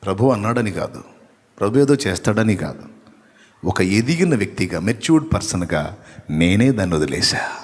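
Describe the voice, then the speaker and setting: A man's voice: on the low side, big pitch swings, moderate pace, pauses often, breathy edge, long reverb tail. A male pastor preaching a live sermon, firing rhetorical questions at the congregation and teasing them with acted asides. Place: church hall.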